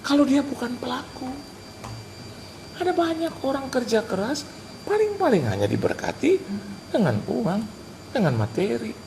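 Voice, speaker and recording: A middle-aged male pastor preaching a sermon, animated, acting out conversations and mixing in English phrases. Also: extremely high pitch, moderate pace, gravelly, pauses often. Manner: animated preacher who acts out dialogues and drops English phrases. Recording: noisy live sermon recording.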